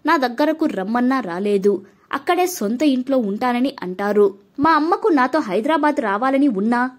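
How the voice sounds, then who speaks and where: A woman narrating an audiobook story in Telugu, told gently and evenly. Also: a little high.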